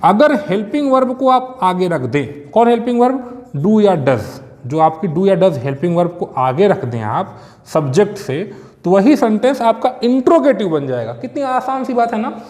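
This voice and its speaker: A male teacher giving an exam-prep grammar lesson, explaining step by step and checking that students follow, slowing down to spell out example sentences word by word. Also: sits high, very animated, a little mellow, big-room sound.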